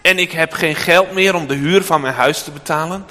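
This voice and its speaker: A man voicing a tired, grateful young mother in a storybook reading, in a raised, soft voice. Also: on the high side, normal speed, in a large hall.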